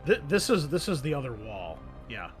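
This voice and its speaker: A man's voice: mid-range voice, sing-song, normal speed. A man running a tabletop roleplaying game as game master, explaining things patiently and a little hesitantly in casual talk. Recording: music under the voice. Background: background music.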